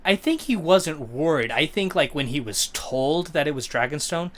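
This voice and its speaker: A man with a slightly high voice recaps episode scenes in a relaxed podcast chat. He thinks out loud and corrects himself mid-sentence. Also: normal speed, a little hiss or hum. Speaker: podcast co-host. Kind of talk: casual chat.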